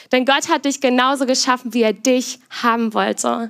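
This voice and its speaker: At a fairly slow pace, a woman with a fairly high pitch speaks in an animated tone, heard in a very clean recording with a silent background. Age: 20s. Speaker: student teacher giving a sermon. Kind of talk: sermon.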